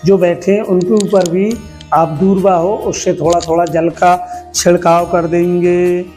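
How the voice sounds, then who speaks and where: A man leading a home fire ritual as priest, giving plain step-by-step instructions between slow, drawn-out chants. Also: high voice, level tone, mellow, soft background music.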